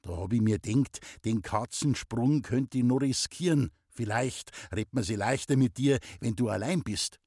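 A man's voice: medium pitch, a little slow, hardly any pauses, darkish tone, breathy edge, dry recording, clean studio sound. A man reading a novel aloud and voicing a boastful young village man in Bavarian dialect.

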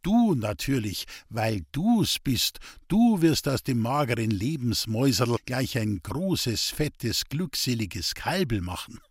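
A man voicing a patient, fatherly village priest in Bavarian dialect, in an audiobook, with a husky voice. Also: mid-range voice, very animated, slow pace, few pauses, no echo, studio quality, exaggerated voice. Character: kindly, gently teasing older village priest.

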